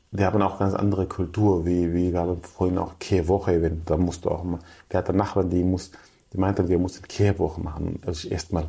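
Deep gravelly man. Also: dark tone. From Syria. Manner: fluent but non-native, restarts, acts out quoted people. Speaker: guest. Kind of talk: casual interview chat.

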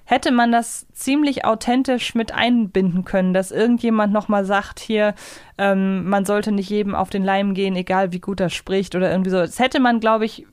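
A woman's voice: medium pitch, fairly even intonation, moderate pace, a little mellow, clear, resonant tone, no room sound. Female co-host, reflective and conversational, mid-range voice, dry studio-like recording. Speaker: podcast co-host. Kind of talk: casual fan discussion of an audio drama.

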